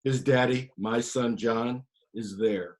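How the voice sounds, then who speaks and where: A man performing a one-man play as a grieving older farmer grandfather, telling stories in a quiet, subdued voice. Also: medium pitch, slow, natural voice. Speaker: actor.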